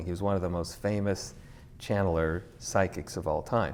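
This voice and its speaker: In a Pittsburgh accent, the speech runs at a fairly quick pace with fairly even intonation. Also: man. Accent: American, Pittsburgh. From US, Pittsburgh, Pennsylvania. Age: 60s. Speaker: paranormal researcher. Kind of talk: interview.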